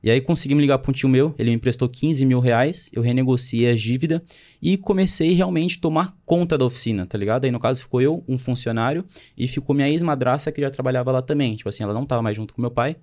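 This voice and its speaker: A young man in his twenties tells his own story in a relaxed, slangy way and keeps quoting other people's words. He talks quickly at a middle pitch. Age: 20s. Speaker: guest telling his story. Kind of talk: casual chat.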